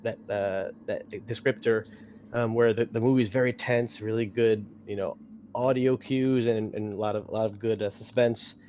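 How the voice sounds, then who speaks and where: A man talking casually as a gaming podcast player, halting as he thinks aloud, with dry humor. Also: lowish voice, steady tone. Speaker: tabletop game player. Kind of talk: casual, reflective chat. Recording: dull lo-fi audio, faint noise.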